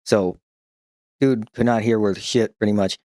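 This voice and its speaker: A man streaming in a casual chat, telling rambling, profane stories with frequent restarts and chuckling along, who picks up a slight New York twang when he gets excited. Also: on the low side, a little slow, no room sound, studio quality. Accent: slight New York-style twang when excited.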